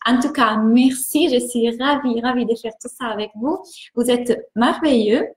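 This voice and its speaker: An enthusiastic woman with an Italian accent coaches and greets viewers on a live stream. Her voice sits fairly high, and the room around her echoes. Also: a little slow. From Italy. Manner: enthusiastic, warm greetings, repeats words.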